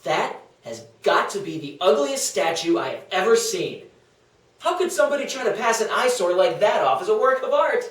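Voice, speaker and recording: A man's voice: high-pitched, very animated, moderate pace, fairly bright tone. A man playing a brash, scornful Athenian skeptic in a comedic table read, speaking with theatrical sarcasm. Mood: scornful, sarcastic. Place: small indoor meeting room. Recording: roomy, distant meeting-room pickup.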